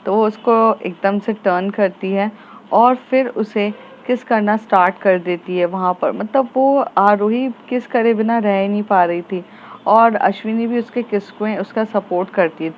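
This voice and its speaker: A woman's voice: mid-range voice, moderate pace, muffled recording, slight background noise. A woman casually narrating a romance story with chatty fillers.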